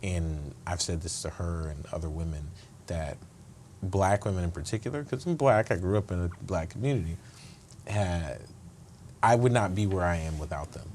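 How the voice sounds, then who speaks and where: A man's voice: sits low, moderate pace, darkish tone, slight background noise. A man speaking as an interview guest, earnest and reflective, often restarting his sentences. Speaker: guest, state attorney. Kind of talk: conversational interview.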